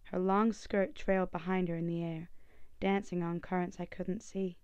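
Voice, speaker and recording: A woman's voice: lowish voice, level tone, normal speed, a little mellow, smooth, dry recording, dull audio. A woman voice actor with an American accent, narrating descriptive literary prose.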